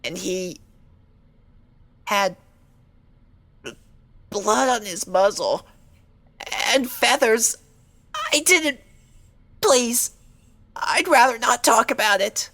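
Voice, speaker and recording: A woman's voice: fairly high pitch, animated, extremely slow, long pauses, bright, forceful tone, heavily acted. A woman voicing a timid, frightened young pony, speaking hesitantly with stammers and apologies in an audio story. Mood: distressed, tearful. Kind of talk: dramatic audio story acting.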